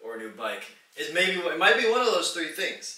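A man speaks at a fairly quick pace, with light background noise and audible room echo. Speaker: product reviewer. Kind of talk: casual vlog chat. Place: home room. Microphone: camera far.

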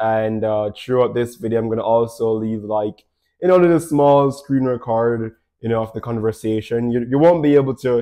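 With fairly even intonation and a moderate pace, a man talks in front of a quiet background. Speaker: vlogger. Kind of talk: casual vlog chat. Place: home room.

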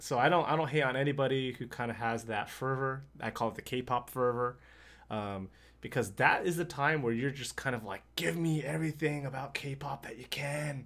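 Speaking at a moderate pace in a normal speaking voice, a man of medium pitch uses ordinary pitch variation in a very clean recording with a silent background. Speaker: podcast co-host. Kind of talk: casual chat.

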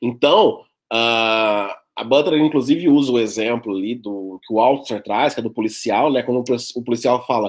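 A man is talking with ordinary pitch variation. Behind him, the background stays quiet. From Brazil, Ribeirão Preto (São Paulo state); São Paulo state, Brazil. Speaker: university lecturer. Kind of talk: online lecture. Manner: animated. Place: home room. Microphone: webcam.

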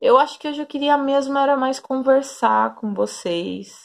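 The background stays quiet. A woman speaks at a fairly slow pace. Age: 30s. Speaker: YouTuber. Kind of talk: casual vlog chat. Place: home room. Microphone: phone near.

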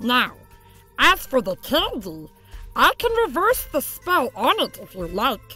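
A high-pitched cartoonish character voice over faint background music. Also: fairly slow pace. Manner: warm, soothing, motherly.

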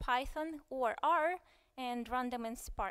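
Against a quiet background, a woman speaks in a high voice with ordinary pitch variation. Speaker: conference presenter. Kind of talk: technical talk. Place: hall. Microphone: podium.

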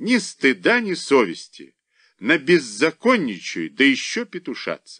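Very slow speech with vocal fry and very wide pitch swings, dry and close with no echo, against a quiet background. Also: man, fairly high pitch for a man. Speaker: audiobook narrator. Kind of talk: reading aloud.

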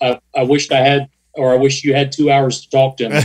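The speaker talks at a fairly quick pace in a Southern US accent, with light background noise. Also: man. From US South. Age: 50s. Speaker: caller, military veteran; podcast caller. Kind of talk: casual chat. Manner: halting. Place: home room. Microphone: video call.

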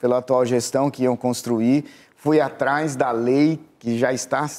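His delivery comes at a medium tempo. The man's intonation stays mostly level. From Brazil, Cotia (São Paulo state); São Paulo state, Brazil. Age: 50s. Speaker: mayoral candidate; candidate. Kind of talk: political interview. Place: studio. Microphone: lapel.

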